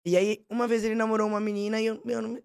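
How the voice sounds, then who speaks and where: A woman with a Brazilian Portuguese accent, telling blunt, animated, slangy stories as a podcast guest. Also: fairly high pitch, racing, creaky. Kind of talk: casual storytelling.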